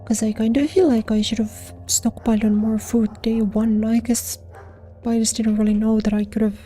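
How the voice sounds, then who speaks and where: Mellow, flat-voiced woman streamer with a strained voice. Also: fairly high pitch, moderate pace, soft background music. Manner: laid-back, self-deprecating, many "like" fillers. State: strained, fading voice. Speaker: streamer playing a game. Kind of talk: casual gameplay commentary.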